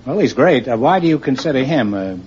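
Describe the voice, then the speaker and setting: Quiz host guy cracking deadpan jokes, swoopy voice, muffled old broadcast. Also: medium pitch, fairly quick, a little hiss or hum. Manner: wry, teasing, deadpan quips. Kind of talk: wisecracking quiz host banter. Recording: dull old broadcast recording.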